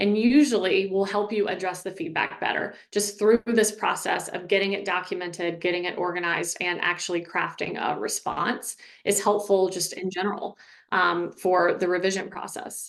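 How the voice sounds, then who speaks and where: A raspy, put-on character voice at a moderate pace, with fairly even intonation. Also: woman, medium pitch for a woman. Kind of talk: presenter in a live session. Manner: talking fast.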